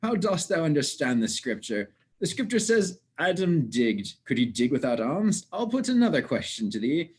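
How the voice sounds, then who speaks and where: A cheerful working gravedigger, acted by a man in a Shakespeare play reading. His voice sits fairly high and swings widely as he teases and argues in mock earnest, blunt and theatrical. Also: sing-song, moderate pace, hardly any pauses, breathy edge. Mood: teasing, cocky. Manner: theatrical, teasing, mock-argumentative.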